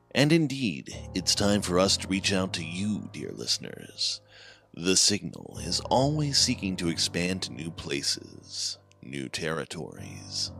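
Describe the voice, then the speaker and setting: A man's voice: low voice, vocal fry, a bit bright, exaggerated voice. A man playing a sinister, theatrical host of a mysterious horror broadcast, with grandiose, ominous emphasis. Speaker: host of horror anthology show. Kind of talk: theatrical scripted horror hosting.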